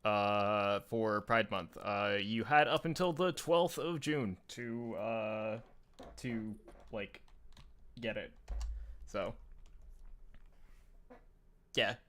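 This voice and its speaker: A bright, clear-toned man chats on a live stream. He rambles and restarts, scattering uhs as he talks through pictures, casual and loose. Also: fairly low pitch, animated, extremely slow, long pauses. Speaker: show host sharing his picture folder.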